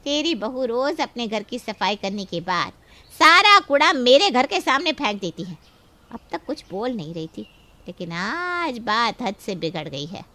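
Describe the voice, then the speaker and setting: A woman playing a loud, quarrelsome neighbor who yells and scolds. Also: a little high, sing-song, measured pace, a little hiss or hum, heavily acted. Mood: furious. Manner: shouting, scolding.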